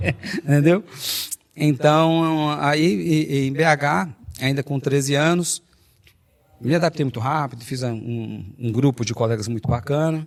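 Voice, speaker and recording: Speaking at a fairly high pitch, a man goes at a fairly slow pace with long, frequent pauses. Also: ordinary pitch variation. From São Paulo, Brazil. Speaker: entrepreneur. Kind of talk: casual interview chat. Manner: halting, repetitive filler words.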